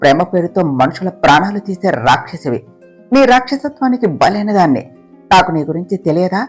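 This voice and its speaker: A woman voicing the vengeful ghost of a murdered young woman, speaking in a lowered, menacing, taunting voice. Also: sing-song, brisk, slightly rough, faint music behind.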